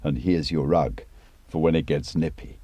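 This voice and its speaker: A man's voice: extremely low pitch, moderate pace, dark tone, no room sound. A man reading an audiobook, voicing an obliging, practical male fixer who talks in a chatty, colloquial way. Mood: matey briefing. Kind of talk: audiobook character voice.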